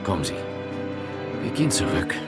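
A man's voice: moderate pace, lightly acted. An actor playing a devout, dogmatic medieval monk philosopher in an audio drama, solemn and emphatic in his statements. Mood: solemn, consoling. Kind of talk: theatrical audio drama dialogue. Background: music.

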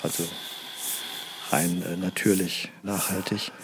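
An actor playing an earnest care worker who explains things in a halting, pedantic, deadpan way for a radio play. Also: male voice, deep voice, noisy background. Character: bland male care worker earnestly explaining senior programmes. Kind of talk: radio play, mock documentary interview.

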